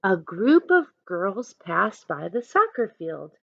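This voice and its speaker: A woman teacher reading a picture book aloud, pausing to explain things simply and directly to young listeners. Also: mid-range voice, big pitch swings, vocal fry, no echo, phone-quality sound.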